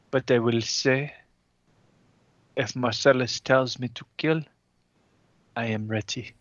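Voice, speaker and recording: A man's voice: medium pitch, slow, pauses often, dry recording, muffled recording, close to an everyday voice. A man voicing a huge aloof Earthbound being who talks formally and stiffly, without contractions. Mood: solemn.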